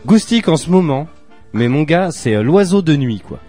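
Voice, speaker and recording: A man with a notably high voice hosts a relaxed gaming podcast, full of teasing banter and quick jokes. Faint music plays underneath. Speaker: podcast co-host. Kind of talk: casual gaming podcast chat.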